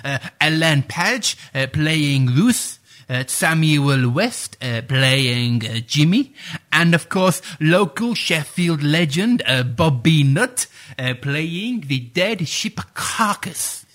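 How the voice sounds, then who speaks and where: A man's voice: fairly high pitch, animated, slow, fairly bright tone. A man playing a stammering pompous playwright. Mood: flustered. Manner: hesitant, full of "uh"s, stammers, grandiose phrasing. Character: pompous male playwright guest, flustered and stammering. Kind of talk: comedy radio sketch.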